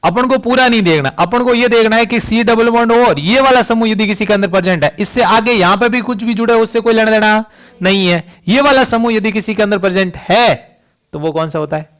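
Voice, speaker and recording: Man, chemistry teacher, classroom lecture, higher voice, rhetorical questions. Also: brisk, fairly bright tone. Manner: rhetorical questions, frequent "समझ रही बात?".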